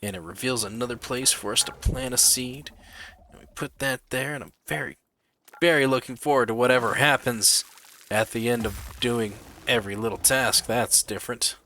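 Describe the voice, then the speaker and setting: A man's voice: mid-range voice, normal speed, bright, forceful tone, slight background noise. A man giving casual, playful commentary as he hosts a gaming video.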